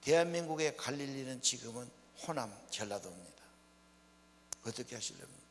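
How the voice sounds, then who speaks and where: An elderly pastor from Korea's Honam region preaches briskly in an expressive, mid-range voice. His sermon is folksy, plain-spoken and full of rhetorical questions for the congregation. The recording carries church hall reverb and a mains hum.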